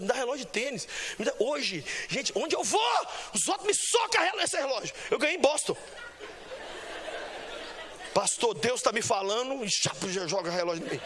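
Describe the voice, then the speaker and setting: A middle-aged man from Brazil preaching a sermon, telling stories with big swings of pitch and acting out other voices. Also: bright, forceful tone, a little hiss or hum. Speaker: pastor.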